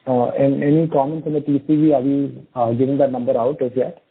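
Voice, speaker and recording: A man's voice: medium pitch, level tone, brisk, husky. A man speaking as a financial analyst, asking brief follow-up questions on an earnings call. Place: telephone conference call. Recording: narrowband telephone line.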